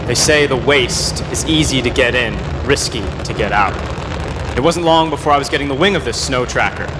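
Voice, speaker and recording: A man's voice: medium pitch, fairly quick, heavy background noise, natural voice. A teenage actor playing a young adventurer narrating his expedition log in a radio play. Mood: adventurous, excited. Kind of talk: dramatic radio play monologue.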